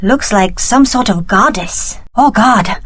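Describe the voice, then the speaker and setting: A woman playing a young female adventurer in a video game, an observant, wry companion with an expressive delivery. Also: medium pitch, slow, slight background noise. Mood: alarmed. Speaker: video game character actor.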